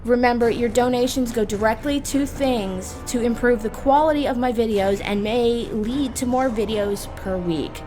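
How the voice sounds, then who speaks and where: A woman hosting a video guide, reading scripted explainer narration in measured, explanatory phrasing. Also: fairly high pitch, mellow. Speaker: host of a roleplaying guide video series. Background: background music.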